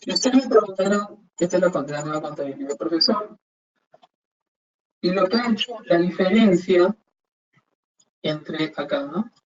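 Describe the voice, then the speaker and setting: A man's voice: high voice, animated, moderate pace, long pauses. A man teaching an online accounting class, explaining step by step and asking rhetorical questions. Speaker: accounting instructor. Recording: dull distant mic with faint hiss.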